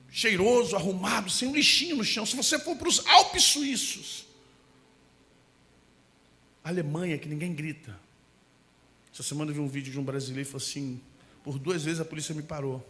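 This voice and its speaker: Animated Brazilian preacher over guitar music. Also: male voice, a little high. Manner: animated, humorous storytelling with shouted asides and impressions. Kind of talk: sermon. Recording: music playing behind the voice.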